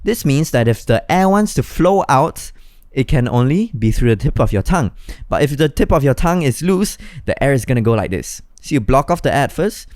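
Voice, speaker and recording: Guy giving a beatbox tutorial, encouraging, medium pitch, super dry recording. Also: big pitch swings, fairly quick, a little mellow, no echo. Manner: instructional, encouraging. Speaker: beatbox teacher. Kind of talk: step-by-step tutorial.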